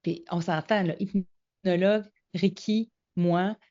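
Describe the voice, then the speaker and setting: A woman's voice: fairly low pitch, slow. A middle-aged woman with a Québécois French accent, a guest telling her story in a casual interview and acting out the voices she quotes. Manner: animated storyteller, acts out quoted dialogue. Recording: slightly muffled lo-fi audio.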